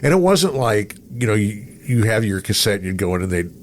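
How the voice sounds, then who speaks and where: A mature man from East Texas with a fairly low voice reminisces as a radio guest. His storytelling is casual and halting, trailing off and then acting out what people said. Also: sing-song, slight background noise. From East Texas, USA. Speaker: radio personality, podcast guest.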